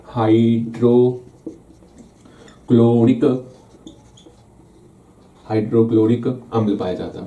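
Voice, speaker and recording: This male science teacher talks in a warm, mid-range voice as he leads a casual revision lesson. He repeats key terms playfully and fields his own questions.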